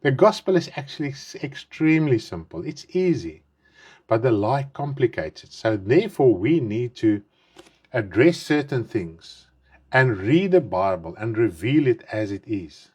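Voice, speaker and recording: A middle-aged man with an Afrikaans accent delivers an earnest online sermon in English, his first language being Afrikaans. His pitch swings widely, climbing on emphatic words and sinking at the ends of phrases. His mouth is dry, and he rephrases and repeats as he goes. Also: very animated, measured pace, darkish tone, husky. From South Africa. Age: 50s. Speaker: pastor.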